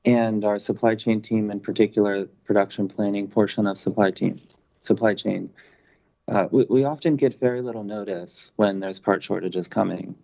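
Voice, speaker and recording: Male executive, lowish gravelly voice, corporate explanatory briefing delivery, dull conference-call sound. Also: fairly even intonation, normal speed, dark tone. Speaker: company executive on an earnings call. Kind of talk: business briefing, answering analyst questions.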